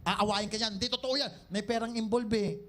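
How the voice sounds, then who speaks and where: A company owner with a Filipino accent leads a live sales seminar, his voice sitting high for a man. He keeps the room going with banter and teasing, firing rhetorical questions at the listeners. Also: steady tone, fairly quick, fairly bright tone.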